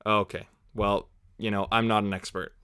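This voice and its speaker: A man's voice: lowish voice, little pitch movement, normal speed, bright, forceful tone, clean tone, dry recording, studio quality. A man from Canada hosting a casual movie watch-along livestream, chatting and rambling off on tangents while answering viewers.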